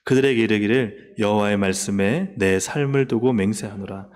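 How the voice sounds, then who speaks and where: A man preaching a sermon as pastor. He acts out complaints in a raised voice and drops to soft, reverent tones. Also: fairly low pitch, moderate pace. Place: church sanctuary. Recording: long church hall reverb.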